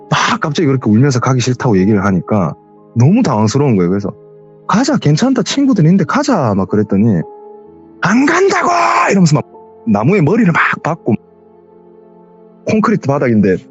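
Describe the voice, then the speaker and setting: A man's voice: mid-range voice, lo-fi sound. A young man with a heavy regional dialect tells a true ghost story as a guest, acting out the quoted voices.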